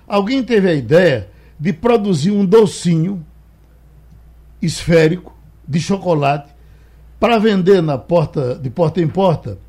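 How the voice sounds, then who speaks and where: A man with a Brazilian accent hosting a radio show, talking casually and haltingly as he tells anecdotes and reads a note. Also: high voice, lively intonation, dark tone. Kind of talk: casual talk, reading a note aloud.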